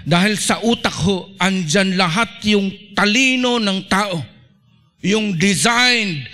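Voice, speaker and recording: Preaching energetically in church, this middle-aged pastor from the Philippines brings little everyday scenes to life as he goes. His voice sits high.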